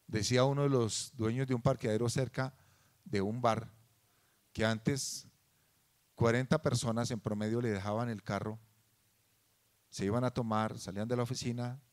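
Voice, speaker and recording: A man preaching a sermon in a church, moving from quiet conversational talk to loud, fervent passages. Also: medium pitch.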